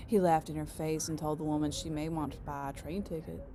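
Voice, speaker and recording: A woman's voice: low-pitched, fairly even intonation, fairly quick, noisy background, natural voice. A woman playing a blunt, protective small-town mother with a fierce streak in a script table read. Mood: proud, menacing.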